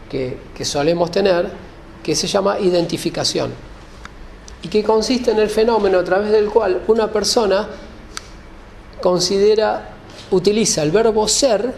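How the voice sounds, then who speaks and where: A man's voice: sits high, creaky, a little mellow, slight background noise. A man giving an explanatory lecture, speaking didactically, often rephrasing and checking that listeners follow.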